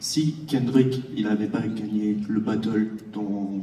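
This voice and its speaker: Amid noticeable background noise and audible room echo, a man with a Chinese accent speaks at a very slow pace. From Taiwan. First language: Mandarin (speaking French). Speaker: audience member asking a question. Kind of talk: audience question. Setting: stage with audience. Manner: halting, many hesitations.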